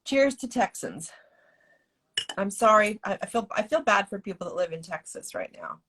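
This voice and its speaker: A woman's voice: medium pitch, lively intonation, moderate pace, fairly bright tone, a little hiss or hum. An older woman co-hosting a live stream, chiming in easily with jokes and advice. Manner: easygoing, chimes in with jokes and advice. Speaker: co-host of a live stream show. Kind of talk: casual chat.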